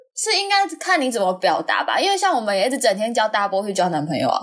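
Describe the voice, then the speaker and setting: Speaking at a fairly quick pace, a woman's voice makes very wide pitch swings. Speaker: podcast host. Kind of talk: casual chat. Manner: animated, joking.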